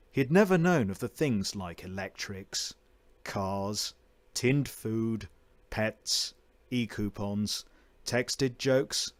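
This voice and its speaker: A man's voice: on the low side, dry recording. A man reading fiction aloud as a voice-over narrator, with theatrical, emphatic storytelling.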